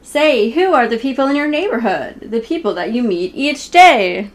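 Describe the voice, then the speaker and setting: Woman, thirties, higher-pitched voice, informal children's storybook reader addressing kids directly. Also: animated, moderate pace. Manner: informal, self-interrupting, speaks directly to young viewers. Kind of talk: picture-book read-aloud to children. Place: small room at home, indoors.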